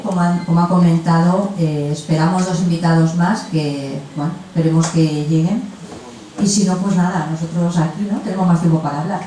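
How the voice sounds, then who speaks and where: Moderating a literary panel in a festival's event room, a woman with a fairly low, dark voice warmly and informally introduces her guests with plenty of chatty enthusiasm. The sound is echoey, captured from a distant mic with faint noise.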